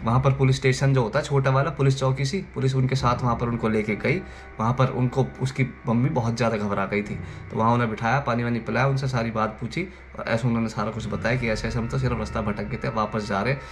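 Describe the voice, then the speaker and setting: Over music in the background, a man speaks at medium pitch and moderate pace with ordinary pitch variation. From Haryana, India. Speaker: YouTuber, Indian living in Japan. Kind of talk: casual storytelling to camera.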